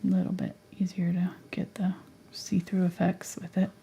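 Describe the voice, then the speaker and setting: A woman's voice: lowish voice, flat delivery, normal speed, creaky, mellow, a little hiss or hum. A woman teaching a live painting tutorial, half-whispering while she paints and losing her voice. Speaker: painting instructor.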